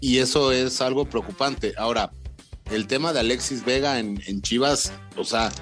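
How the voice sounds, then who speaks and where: A man co-hosting a sports podcast, pausing with fillers and asking pointed questions. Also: mid-range voice, fairly bright tone, soft background music. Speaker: podcast co-host. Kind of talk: joking sports chat.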